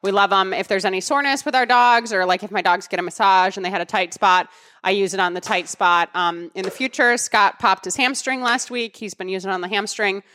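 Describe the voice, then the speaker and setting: A woman co-hosting a podcast in casual chat, talkative and quick to laugh. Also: medium pitch, bright, forceful tone. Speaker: podcast co-host.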